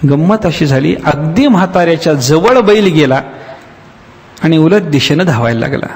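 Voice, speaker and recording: A man giving a devotional discourse as a spiritual teacher, telling a story with lively acted-out voices and slowly chanted verses. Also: on the high side. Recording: long hall reverb.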